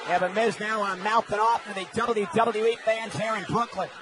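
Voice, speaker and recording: A man doing excited live wrestling commentary as play-by-play caller, exclaiming and calling the action in short bursts. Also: high-pitched, moderate pace. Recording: loud arena crowd and noise behind. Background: roaring arena crowd.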